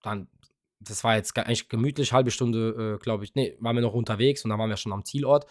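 A man's voice: fairly low pitch, steady tone, fast talker, no echo, clean studio sound. A young man co-hosting a podcast, telling a long casual story with lots of fillers and offhand swearing. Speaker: podcast co-host. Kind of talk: casual chat.

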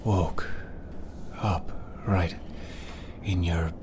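Slow, low-voiced haunted adventurer. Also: male voice, fairly even intonation, darkish tone, slight background noise. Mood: dazed. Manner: slow, halting, brooding. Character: haunted, weary, brooding male adventurer. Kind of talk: horror audio drama acting.

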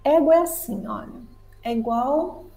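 High-voiced lively woman. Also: a little slow, soft background music, rough recording. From Brazil. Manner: lively and expressive, acts out the inner voice. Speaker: spiritual teacher and therapist. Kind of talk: spiritual talk to viewers.

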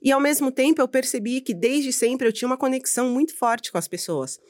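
A woman's voice: sits high, a little fast. A Brazilian woman, a podcast guest, telling personal stories in a candid, slangy way and laughing often. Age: adult, with a daughter who was 12 years ago. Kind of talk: casual storytelling conversation.

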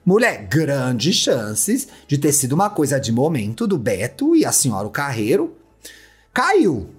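A woman's voice: huge pitch swings, a little slow, a little mellow, husky, faint music behind. A woman host, reading listener letters aloud and mocking them in bawdy comic chat. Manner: mocking, bawdy, laughs a lot; swings to shrieks and low asides.

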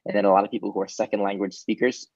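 A man whose native tongue is Hebrew answers interview questions in a casual, earnest way, often pausing with an um. His voice sits on the low side. The recording is dry and a little dull. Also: little pitch movement, a little mellow, no echo. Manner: casual, earnest, with frequent ums. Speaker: startup founder.

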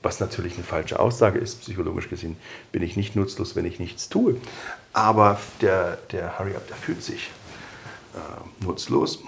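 A man talking through personality types in a relaxed, conversational podcast style, adding anecdotes about former colleagues. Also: low voice, moderate pace, vocal fry, slight background noise. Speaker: podcast expert on personality development. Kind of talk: conversational explanation.

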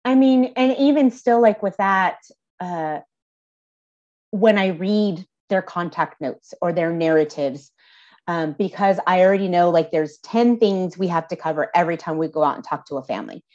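Low-pitched woman guest, frank and reflective, slightly muffled lo-fi sound. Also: moderate pace, a little mellow. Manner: thoughtful, candid, lightly laughing between points. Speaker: social services supervisor, podcast guest. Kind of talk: casual interview answers.

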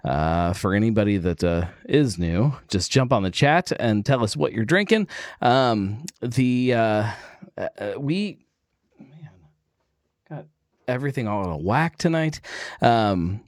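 A man's voice: on the low side, animated, a little slow, dry recording, clean studio sound. A man hosting a casual beer livestream, easygoing and rambling, with lots of fillers as he reads viewers' messages. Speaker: livestream host. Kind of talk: casual chat.

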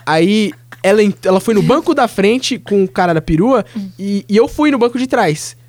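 A man's voice: high-pitched, lively intonation, normal speed, darkish tone, dry recording. A man on a podcast telling a childhood story in a casual chat, laughing often and acting out the voices of the people in it.

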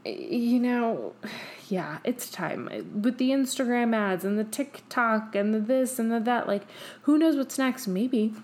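A woman's voice: fairly high pitch, slow, darkish tone. Effusive woman podcast host, non-native English speaker. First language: not English. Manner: effusive, emphatic, tangential, peppered with "like". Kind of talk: casual opinionated solo podcast talk.

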